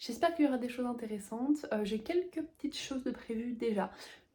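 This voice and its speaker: A woman speaks with ordinary pitch variation. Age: 20s. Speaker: student vlogger. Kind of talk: vlog monologue. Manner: casual, frequent hesitations.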